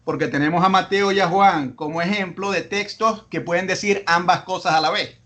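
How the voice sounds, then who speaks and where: A man hosts an interview and builds long, considered questions for his guest. He speaks in a measured, thoughtful way. His voice is a little higher than usual for a man. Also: steady tone, pushed and bright. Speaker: host interviewer.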